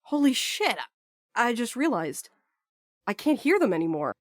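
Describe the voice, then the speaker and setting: A woman's voice: fairly high pitch, big pitch swings, normal speed, dry recording, clean studio sound. A woman playing a blunt, impatient night courier in an audio drama, naturalistic and wry. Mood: exasperated, uneasy.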